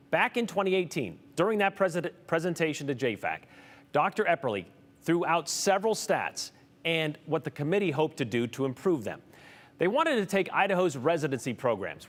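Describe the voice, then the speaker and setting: Lively male TV news reporter. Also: a little high, in a large hall.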